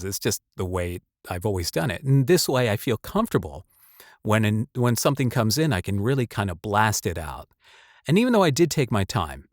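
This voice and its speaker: A man, a voice actor, chatting casually about his work in a halting, rambling way with repeated words. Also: lowish voice, no echo, clean studio sound. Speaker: voice actor and channel host. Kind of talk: casual chat, personal anecdote and advice.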